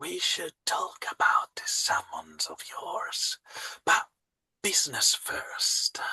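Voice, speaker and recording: A man whispers in a put-on character voice. He talks at a very slow pace. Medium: actual play. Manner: calm, measured.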